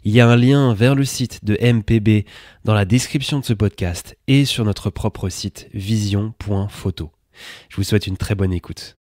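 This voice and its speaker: A man, the host, reads a scripted podcast introduction and sponsor message in a measured, read-aloud way. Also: on the low side, fairly even intonation, a little mellow, no echo.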